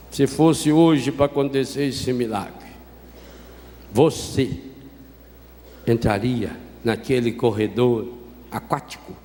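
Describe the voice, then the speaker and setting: A Brazilian Catholic priest preaching a sermon, telling a story with humor and asking the congregation questions. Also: male voice, mid-range voice, a little mellow. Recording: reverberant hall with faint noise.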